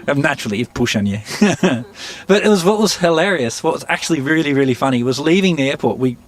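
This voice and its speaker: A man telling stories in an interview, halting and searching for words, often laughing. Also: fairly high pitch, animated. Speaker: interviewee, musician. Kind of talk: casual storytelling interview.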